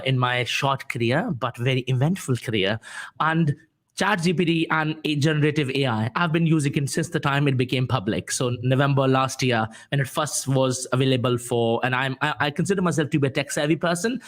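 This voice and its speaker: Enthusiastic Pakistani man, mid-pitched voice. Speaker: guest, careers consultant. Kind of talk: conversational self-introduction.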